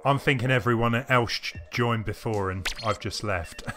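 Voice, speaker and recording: A man's voice: mid-range voice, unhurried. Man chatting on a game livestream over music. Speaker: live streamer playing a video game. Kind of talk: casual livestream chat to viewers. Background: music playing behind the voice.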